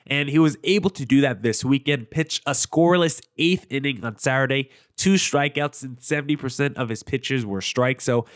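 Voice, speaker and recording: A young man with a nasal, congested voice from allergies, hosting a sports podcast in a chatty, opinionated, rambling way. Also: a little high. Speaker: podcast host. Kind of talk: casual sports podcast commentary.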